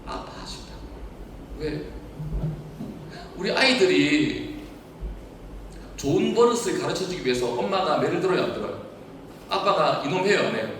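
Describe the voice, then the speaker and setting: A man's voice: on the high side, lively intonation, moderate pace, pauses often, fairly bright tone, slight background noise. A man preaching as a pastor, asking the congregation question after question. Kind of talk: sermon. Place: church hall. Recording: echoey hall, voice from far off.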